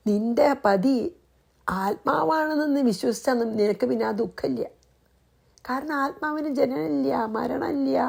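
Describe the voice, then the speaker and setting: Gravelly-voiced woman explaining scripture. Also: fairly high pitch, warm tone. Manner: patient, repetitive explaining with rhetorical questions; breaks into slow chanted Sanskrit verses. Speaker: scripture teacher. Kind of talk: devotional scripture commentary.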